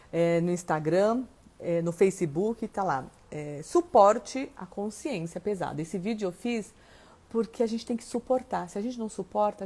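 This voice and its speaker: A woman talks straight to her live stream audience at a middle pitch. She is chatty and informal, greeting viewers by name and ending phrase after phrase with a quick question word. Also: a little mellow. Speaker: host of a live stream on family systems. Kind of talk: live stream chat, reading viewer comments.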